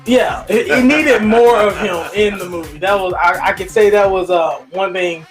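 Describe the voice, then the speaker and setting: A man co-hosting a casual movie review, speaking informally and in a halting way as he restarts his sentences. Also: high voice, faint music behind.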